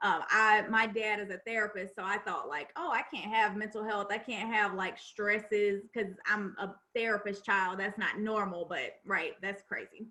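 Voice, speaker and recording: A woman talks loudly, with hardly any pauses and a bright, sharp tone. Her pitch is medium and her intonation fairly even. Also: moderate pace. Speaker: college English instructor. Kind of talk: online class discussion.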